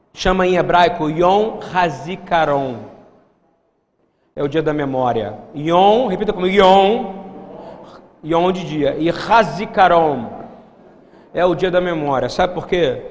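Emphatic high-voiced pastor in a hall. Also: male voice. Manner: emphatic, questioning the congregation. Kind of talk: sermon. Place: church hall.

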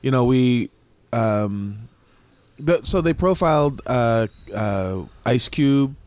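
Middle-aged male guest, born in Jamaica; easygoing interview delivery with halting fillers; mid-pitched voice, dry close recording. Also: no room sound. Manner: relaxed, with frequent "um" pauses. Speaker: museum founder, guest. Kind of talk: casual conversation.

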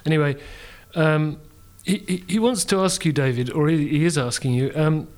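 Male podcast host. Fairly high voice, stumbles through questions with ums and restarts. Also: moderate pace, a little mellow. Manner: hesitant, with fillers and restarts. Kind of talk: reading listener questions.

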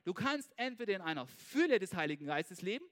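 This male preacher has a high, bright voice whose pitch swoops up and down. His informal sermon is casual and animated, and he keeps turning to his listeners with a quick "ja?"

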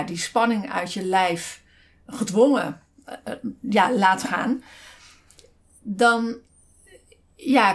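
A woman co-hosting a casual podcast from a desk beside her partner, telling a story with many fillers and restarts. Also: medium pitch. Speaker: podcast co-host.

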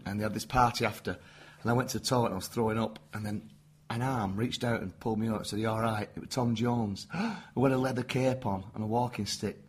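Husky comedian telling jokey stories. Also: male voice, on the low side, steady tone, fast. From northern England. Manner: jokey storyteller, laughs through anecdotes. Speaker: comedian guest. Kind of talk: casual chat. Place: venue abroad after a gig.

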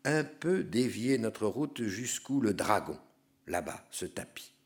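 A man voicing a wise elder male poet guide in a stage reading, urging his companion on in a measured, firm way. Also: fairly low pitch, big pitch swings. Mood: hushed.

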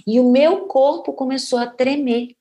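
A woman's voice: high voice, normal speed, dark tone. A woman talking earnestly about her own feelings, in a flowing way that often checks in with the listener. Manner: earnest, flowing, with frequent "né" tags. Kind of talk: reflective personal sharing.

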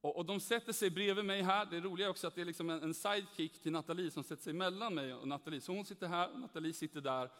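A man's voice: high-pitched, few pauses. Earnest young man telling a faith testimony. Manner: earnest, animated, acts out dialogue. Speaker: speaker giving a testimony. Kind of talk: personal faith testimony, storytelling. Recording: echoey hall reverb.

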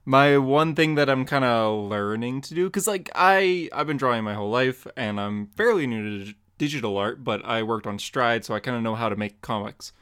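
A man's voice: mid-range voice, normal speed, few pauses, smooth. A young man co-hosting a podcast, chatting casually with frequent laughs and jokes. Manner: laughing, joking, relaxed. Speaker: podcast co-host and comic artist. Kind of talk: casual chat.

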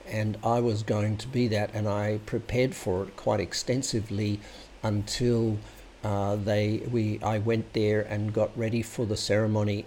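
A man's voice: on the low side, a little mellow, a little hiss or hum. A man telling a long personal story in a rambling, hesitant, anecdotal way. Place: Sydney home base.

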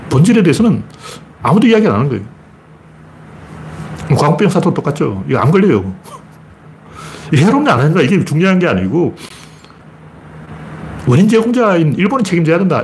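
A man talks through a casual lecture, and his pitch swings widely as he argues. He keeps firing rhetorical questions and acting out other people's voices. A faint hum of room ambience sits behind him. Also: a little mellow. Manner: argumentative, rhetorical questions, acts out quotes.

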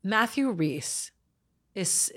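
A woman co-hosting a podcast in casual chat, enthusiastic and quick to chime in. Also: medium pitch, lively intonation, a bit bright. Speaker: podcast co-host.

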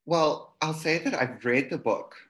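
A man's voice: on the high side, measured pace, a bit bright. A South African man, a guest in a casual video-call chat, who laughs easily and swears casually.

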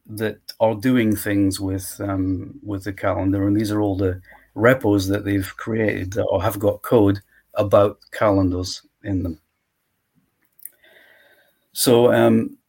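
A man walking through his software tool in a live screen-share demo, thinking aloud step by step. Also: on the low side. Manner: walks through steps aloud, thinking as he goes.

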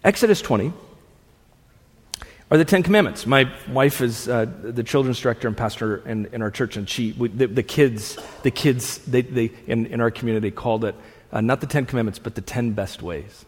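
A man in his thirties preaching a sermon as pastor, animated, swinging from excited outbursts to hushed lines, with a husky voice. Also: medium pitch, moderate pace. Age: 30s. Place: church hall. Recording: long reverb of a hall.

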